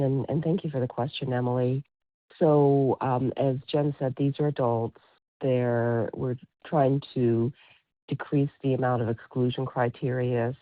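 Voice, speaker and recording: Male medical expert on a thin, phone-like call line, dry sound, mid voice, careful halting explanations. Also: medium pitch, dry recording. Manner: deliberate, halting. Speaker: physician and company medical expert. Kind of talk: explanatory earnings call answer.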